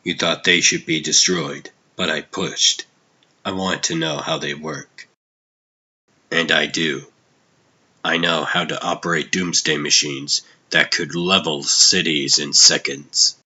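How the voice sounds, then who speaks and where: A man voicing a corrupted, sinister vigilante villain who speaks slowly and menacingly in a comic dub. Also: a bass voice, pushed and bright, slightly rough, lo-fi sound, pitched below the performer's own voice, heavily acted. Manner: slow, menacing, deliberate delivery. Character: corrupted dark Batman, sinister, calmly gloating male villain.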